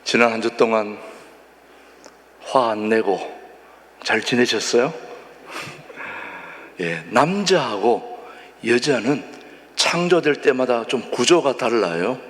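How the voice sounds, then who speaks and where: A man's voice: medium pitch, slow pace, pauses often. A middle-aged man preaching a sermon to his congregation, posing questions to them as he goes. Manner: animated, asks the congregation questions. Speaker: pastor. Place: church sanctuary. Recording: long hall reverb.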